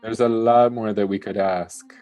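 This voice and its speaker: An interpreter rendering a panel discussion into English live, in halting phrases with pauses. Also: mid-range voice, fairly even intonation, mellow.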